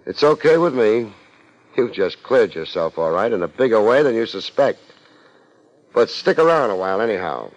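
An actor playing a laid-back, wry private investigator in a 1950s radio drama, deadpan and wisecracking. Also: male voice, fairly low pitch, normal speed, a little hiss or hum. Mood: wry, calm. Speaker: lead actor, narrating and playing the detective. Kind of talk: 1950s radio detective acting. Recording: muffled 1950s radio transcription.

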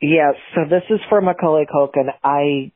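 A man's voice: fairly high pitch, normal speed, no room sound. A man leaving a voicemail over the phone in an apologetic, polite way. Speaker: voicemail caller. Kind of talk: casual voicemail message. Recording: tinny, narrow phone voicemail.

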